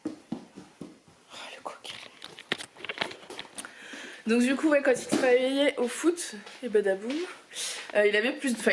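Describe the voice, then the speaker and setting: A young mother chats casually to the camera at home for a family vlog, talking through her day and shifting into a sing-song voice for her toddler. Her voice is fairly high, with a little hiss or hum in the recording.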